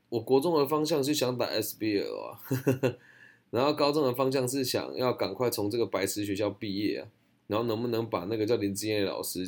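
A man's voice: lowish voice, a little mellow. A young man with a Taiwanese Mandarin accent, answering audience questions in a blunt, slangy, chatty way. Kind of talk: casual Q&A monologue.

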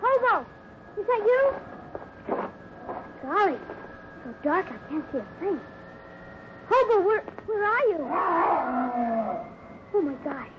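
A woman's voice: very high-pitched, very animated, takes it slowly, pauses often, full character voice. A woman playing an earnest young cowboy boy with breathless exclamations in a 1950s radio adventure. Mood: alarmed, frightened. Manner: breathless, gee-whiz exclamations. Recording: tinny, faintly noisy 1950s radio recording.

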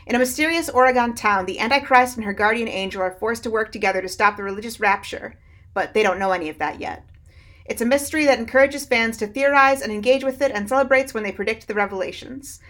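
A woman with a fairly high voice introduces a show as a podcast creator. Her delivery is informal yet scripted, with a playful, wry touch. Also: fast talker, a bit bright.

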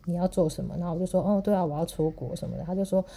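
Fast-talking Taiwanese woman telling a story. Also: lowish voice. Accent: Taiwanese Mandarin. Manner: animated, laughs through her story. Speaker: podcast co-host. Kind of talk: casual storytelling chat.

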